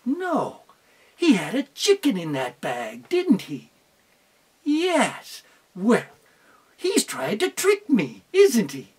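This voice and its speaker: A woman's voice: on the high side, wildly swooping pitch, a little mellow, breathy edge, exaggerated voice. Woman putting on a shrewd, knowing farm teacher. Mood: scheming. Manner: slow, knowing, deliberate.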